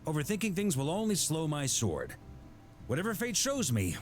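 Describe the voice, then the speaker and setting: Jovial knight commander, hugely animated. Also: male voice, a little high, moderate pace, slight background noise. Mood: resolute. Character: jovial, roguish middle-aged male knight grandmaster, worldly and warm-hearted. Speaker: game character giving voice lines. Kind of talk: scripted video game voice acting.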